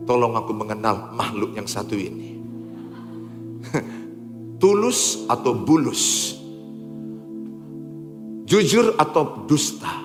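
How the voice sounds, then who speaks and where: A male pastor preaching a sermon, swinging between loud emphatic lines and low quiet ones. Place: large church hall. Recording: echoey church hall recording.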